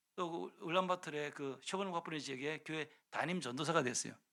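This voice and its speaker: The voice sounds animated, with a bright, sharp tone and ordinary pitch variation. The pace is moderate. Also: man. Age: 60s. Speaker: missionary preacher. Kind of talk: sermon with testimony.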